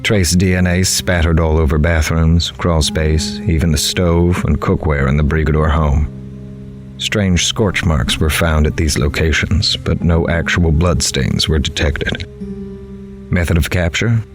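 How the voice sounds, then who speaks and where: An actor playing a grim, dogged male crime reporter in a horror audio drama, with a measured, grave, dramatic delivery. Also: a bass voice, fairly even intonation, over music. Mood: grim, methodical. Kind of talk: noir-like scripted horror narration.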